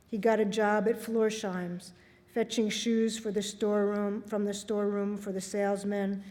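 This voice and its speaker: A woman author giving a public reading of her literary fiction at a library event, with a measured, even storytelling delivery. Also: medium pitch. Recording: long reverb from a hall.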